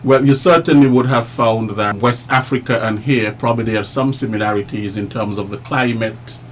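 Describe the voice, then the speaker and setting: A man's voice: mid-range voice, moderate pace, a little hiss or hum. A man interviewing guests, chatty and explanatory, repeating words while he searches for them.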